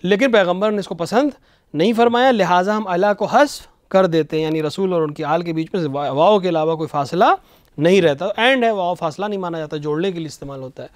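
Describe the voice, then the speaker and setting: Man, religious scholar, patient explainer, fairly high voice, dry studio sound. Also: no room sound. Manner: patient, explanatory, recites phrases slowly to demonstrate pronunciation. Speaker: religious scholar answering questions. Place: television studio.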